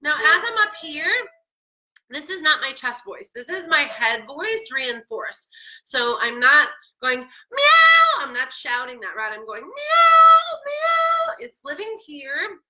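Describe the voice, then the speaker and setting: A woman voice teacher leading a vocal warmup lesson, singing meows that climb higher and coaching in a chatty, encouraging way. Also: measured pace, slight background noise, poor audio. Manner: demonstrates sung meows sliding ever higher.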